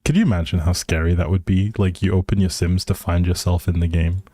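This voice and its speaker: Here a man's low, mellow voice moves a little fast as he live streams a life simulation game. He thinks aloud and chats with viewers in a friendly, rambling manner, recorded dry.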